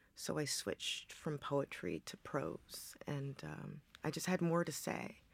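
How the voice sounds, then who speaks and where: A woman with an American accent speaks fairly slowly in a very deep, low voice. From Memphis, US South. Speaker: poet and novelist. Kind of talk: interview chat. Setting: studio.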